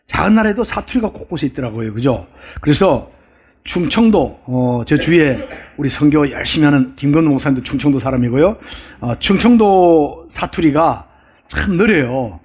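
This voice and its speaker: A man's voice: a little high, gravelly, a little mellow, breathy edge. A male pastor giving a sermon, telling folksy jokes and asking the congregation questions as he preaches. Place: church sanctuary.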